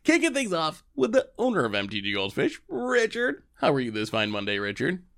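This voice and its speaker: A man's voice: a little high, huge pitch swings, a little fast, gravelly, a bit bright. A man hosting a casual podcast, leading the chat with an upbeat presenter's delivery. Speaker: podcast host.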